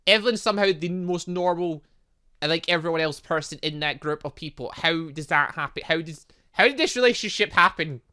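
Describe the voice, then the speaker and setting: A man giving excitable, rambling casual commentary as he plays a visual novel as a gaming host. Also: a little high, brisk, smooth. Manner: excitable, rambling, reacting aloud. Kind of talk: casual game commentary with lines read aloud from a visual novel.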